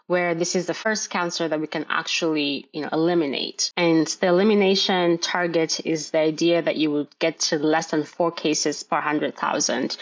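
A middle-aged woman from Kenya, a gynecologist guest explaining health issues in a measured way on a podcast. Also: lowish voice, dull audio. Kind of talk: podcast interview.

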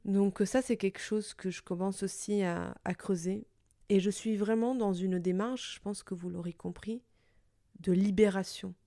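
Young woman, Italian-Portuguese accent, native Italian; warm, soft tone; hesitant, reflective podcast monologue; dry close mic. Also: mid-range voice, fairly even intonation, no echo. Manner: thoughtful, hesitant, many pauses and restarts. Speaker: podcast host.

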